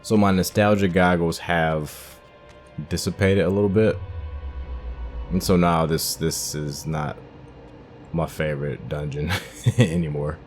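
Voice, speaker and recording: A man's voice: deep voice, steady tone, unhurried, long pauses, faint music behind. A man giving casual, unscripted commentary on a video game, thinking aloud and muttering to himself as he plays. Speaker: gamer, video game playthrough host.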